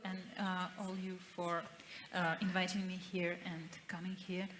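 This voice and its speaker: A woman's voice: on the low side, little pitch movement, a little slow, noisy background. A woman from Russia whose first language is Russian, speaking at a writers' panel in a hesitant, self-deprecating way. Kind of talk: festival panel talk.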